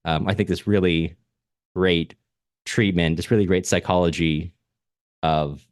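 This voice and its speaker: A man's voice: low voice, fairly even intonation, measured pace, no room sound, clean studio sound. A man co-hosting a podcast, talking through a book in a casual, discursive and analytical way, often rephrasing himself mid-thought. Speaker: podcast co-host discussing a novel.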